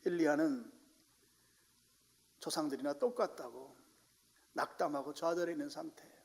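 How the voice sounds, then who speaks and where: High-voiced dramatic male preacher. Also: normal speed, creaky, in a large hall. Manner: dramatic, swinging from loud exclamations to hushed whispers. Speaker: pastor. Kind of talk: sermon. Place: church sanctuary.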